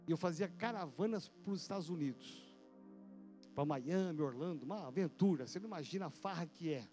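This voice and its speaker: A male pastor, telling a personal story in a sermon with vivid, animated delivery and sound effects. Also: on the high side, a little fast, soft background music.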